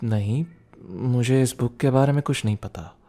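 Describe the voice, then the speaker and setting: A man playing a young student boyfriend, teasing and protective, in an intimate ASMR roleplay with a soft conversational delivery. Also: medium pitch, normal speed, natural voice. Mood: teasing, confused.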